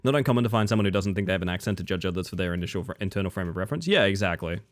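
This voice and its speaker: Chatty Australian man with lively pitch. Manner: chatty, reads chat aloud, swears casually, drawn-out musing. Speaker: streamer. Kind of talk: casual live-stream chat while gaming.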